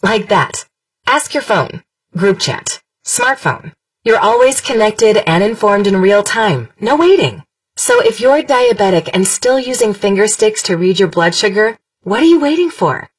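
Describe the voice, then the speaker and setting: A woman's voice: mid-range voice, very animated, slow, dry recording, far from the mic. A woman reading a scripted radio commercial, persuasive, who repeats the phone number. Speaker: ad announcer.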